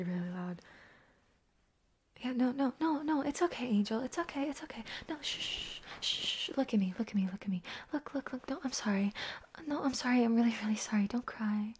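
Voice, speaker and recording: In a whispered audio roleplay, a young woman voices an anxious, apologetic young woman comforting a crying partner with hushed, repetitive murmurs. Her voice is husky and sits at a medium pitch.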